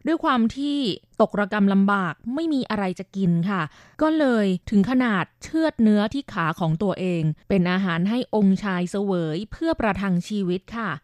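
A woman radio DJ hosting a scripted magazine show, explaining at length in a polite manner with frequent soft polite particles. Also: mid-range voice, animated, normal speed, hardly any pauses, no room sound. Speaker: radio DJ and host.

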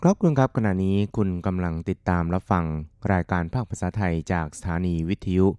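A man's voice: low voice, very animated, a little fast, no room sound. A man announcing a radio program in a formal, polite manner. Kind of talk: station announcement. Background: loud music.

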